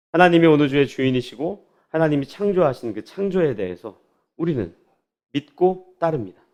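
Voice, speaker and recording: High-voiced male pastor preaching. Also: darkish tone. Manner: earnest, addresses congregation directly. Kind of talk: sermon.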